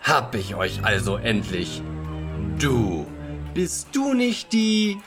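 An actor playing a pompous, bullying town bailiff in a German radio play, prone to stammering when challenged. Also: male voice, medium pitch, wildly swooping pitch, slow, over music. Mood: gloating, threatening.

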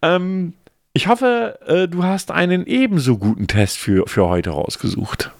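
A man's voice: sits high, sing-song, measured pace, gravelly, dry recording, studio quality. A man co-hosting a casual podcast, joking and rambling with a self-satisfied tone. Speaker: podcast co-host.

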